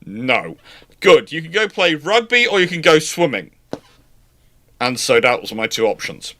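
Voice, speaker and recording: Bright-voiced, emphatic British man. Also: on the high side, sing-song, unhurried. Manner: rambling, emphatic, opinionated. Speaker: live stream host. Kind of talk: casual live question-and-answer chat.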